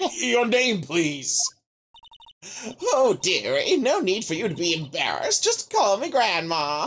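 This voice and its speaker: Doing a put-on character voice, a man speaks high with very wide pitch swings. His pace is fairly slow. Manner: flirtatious then warm, parental.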